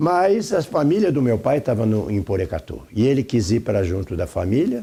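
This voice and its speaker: Over a silent background in a very clean recording, a man with a medium pitch and a dark, mellow tone uses vocal fry and very wide pitch swings. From northern Paraná, Brazil. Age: 60s. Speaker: former student activist. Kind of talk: testimony. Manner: halting, many fillers.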